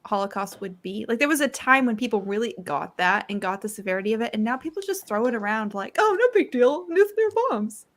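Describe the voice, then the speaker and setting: A woman's voice: medium pitch, quick pace, hardly any pauses, a bit bright. A woman co-hosting a casual podcast panel, earnest and emphatic. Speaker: podcast co-host.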